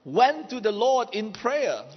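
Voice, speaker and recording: A male preacher with a Southeast Asian accent delivers a sermon in short, emphatic bursts. His voice is pitched very high for a man, and it rings through a long hall reverb with a muffled, dull sound. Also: big pitch swings, takes it slowly, breathy edge. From Southeast Asia.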